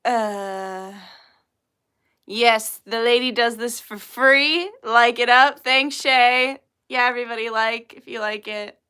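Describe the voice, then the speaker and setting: Bright-voiced young woman chatting on a livestream. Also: a little high, slow pace, clean tone. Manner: laughs often, joking and swearing freely. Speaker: tarot reader livestream host. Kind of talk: casual livestream chat, reading chat messages.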